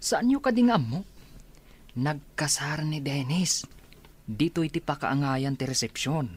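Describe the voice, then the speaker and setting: An eager young friend in a radio drama. His voice sits a little high and bounces lively through each line. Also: a little slow, breathy edge. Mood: explaining. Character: young man Alex, friend of the groom.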